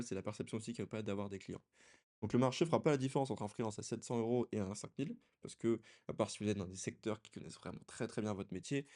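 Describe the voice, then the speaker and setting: A man's voice: lowish voice, warm tone. A young man coaching freelancers in a loose, conversational talking-head lesson, often restarting his sentences.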